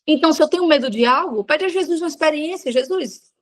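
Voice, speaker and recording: A woman with a high, bright voice leads a casual devotional for women. She preaches frankly, dropping in slang and talking to listeners as friends. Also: lively intonation, fast. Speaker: devotional speaker. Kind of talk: informal devotional talk.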